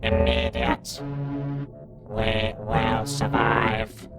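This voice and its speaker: A man's voice: fairly low pitch, very slow, gravelly, full character voice. A man voicing a cold, emotionless machine intelligence in a science fiction audiobook, with clipped mechanical phrases and robotic processing. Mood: cold, urgent. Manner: clipped, monotone, mechanical delivery of short reports. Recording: loud music behind.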